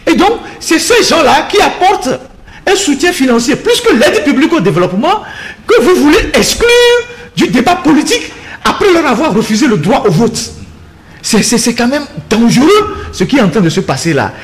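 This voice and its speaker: A man argues on a political panel. His voice sits high and swings widely in pitch. He sounds indignant and insistent, stumbling over repeated words as he presses on. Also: big pitch swings, normal speed, a little hiss or hum. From Togo. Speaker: political commentator. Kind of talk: heated panel debate.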